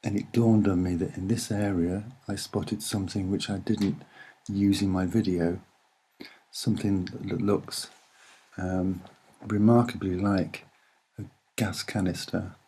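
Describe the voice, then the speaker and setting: A soft-spoken man with a husky voice, giving a casual, musing and hesitant commentary as he explains what he sees. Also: low-pitched, steady tone, a little slow. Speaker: video narrator.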